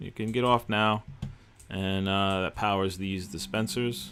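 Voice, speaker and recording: The voice has a bright, sharp tone and a New York accent. It moves at a fairly slow pace. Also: man. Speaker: gaming video creator. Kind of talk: gameplay tutorial commentary. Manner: casual, halting with many fillers.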